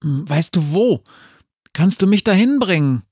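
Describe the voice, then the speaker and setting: A man's voice: sits high, expressive, unhurried, a little mellow, husky, no room sound, studio quality, voice pushed up, full character voice. A man voicing a determined young witch apprentice girl, urgent and pleading.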